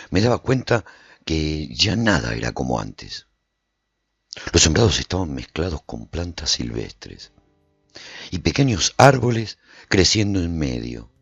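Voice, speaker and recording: A man narrating a radio drama in an expressive storytelling manner. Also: low voice, slightly rough, dry recording. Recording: dull lo-fi recording with faint music.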